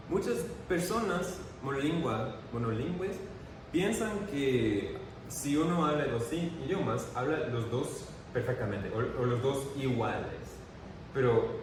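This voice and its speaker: A man hosts a casual interview, building his questions slowly and hesitantly. The recording is distant and very roomy, with clear noise in the background. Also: mid-range voice, lively intonation. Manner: thoughtful, hesitant, many fillers. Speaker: interview host.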